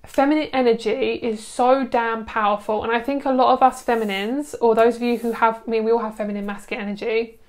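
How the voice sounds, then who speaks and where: A woman's voice: fairly high pitch, steady tone, a little fast, a little mellow. A young adult woman giving a chatty, soothing tarot card reading to camera, gushing over the cards with lots of fillers.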